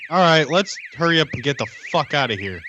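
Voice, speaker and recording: A man's voice: a little high, lively intonation, brisk. A man playing a tabletop game, exclamatory and sweary in casual banter, on a muffled, noisy microphone. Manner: profane, exclamatory.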